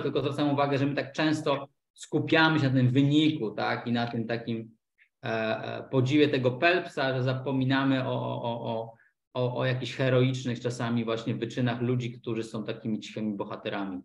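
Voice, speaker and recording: A man with a mid-range voice shares his thoughts in an online discussion, stumbling and restarting as he goes. His voice carries a roomy echo. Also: mid-range voice. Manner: hesitant, many restarts. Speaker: discussion participant. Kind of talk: discussion on a video call.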